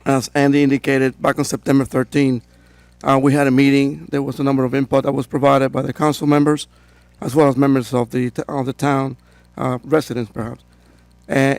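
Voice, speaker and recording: A man with a cold, hoarse, giving a steady, procedural presentation to a town council as code enforcement director. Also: mid-range voice, no room sound. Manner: steady and procedural, with frequent fillers.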